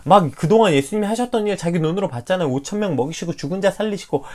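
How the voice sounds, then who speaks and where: A preacher giving a livestreamed morning devotional sermon, animated, asking the listeners questions and acting out quoted prayers. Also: mid-range voice, racing.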